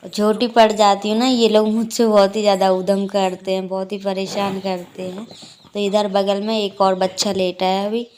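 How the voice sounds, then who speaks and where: A young woman's casual family vlog, shot at night in a dark room at home on a tripod-mounted phone, has her chatting and laughing as she narrates the kids' activities. Her mid-range, darkish voice is delivered flatly at a moderate pace, with a little hiss or hum in the background.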